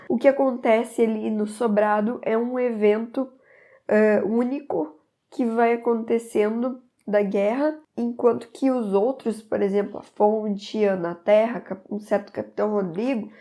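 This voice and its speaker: A woman's voice: fairly high pitch, warm tone. A woman, slightly stuffy from a cold, recommending a book in an enthusiastic, rambling way. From southern Brazil. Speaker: book reviewer. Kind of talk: casual book recommendation to camera.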